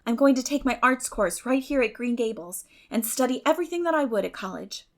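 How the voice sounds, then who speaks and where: A woman voicing a bright, determined, idealistic sixteen-year-old girl in a dramatic audiobook, eager, effusive and dreamy. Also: fairly high pitch, a little fast, pitched above the performer's own voice, lightly acted. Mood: cheerful. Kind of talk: dramatic audiobook reading of a classic novel.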